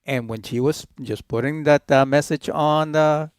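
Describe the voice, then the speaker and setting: A Puerto Rican-accented man hosts a studio chat, teasing his co-hosts. His voice sits a little high. The recording is dry and close. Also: moderate pace, smooth, no room sound. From Puerto Rico. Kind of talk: casual chat.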